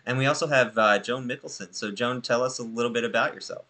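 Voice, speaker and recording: Eager male co-host on a video call, crisp bright tone, mid pitch. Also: fast. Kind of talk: casual panel chat.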